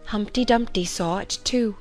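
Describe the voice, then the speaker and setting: A woman's voice: medium pitch, normal speed, faint music behind, lightly acted. Dithering, timid White Queen, played by a woman. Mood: rambling, flustered. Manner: nervous, rambling, confiding. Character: dithering, timid, muddled White Queen, a chess-piece monarch. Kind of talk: dramatized audiobook acting.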